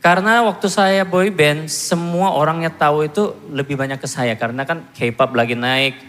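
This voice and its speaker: A man in his thirties from Korea, giving a self-mocking, animated church testimony. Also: on the high side, moderate pace. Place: church hall. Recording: long hall reverb with music behind.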